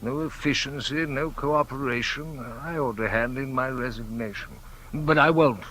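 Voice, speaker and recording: A man's voice: medium pitch, normal speed, fairly bright tone, close to an everyday voice, poor audio. A man playing a grumbling, officious older gatekeeper in a 1950s radio play. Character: gruff older male gatekeeper, grumbling bureaucrat.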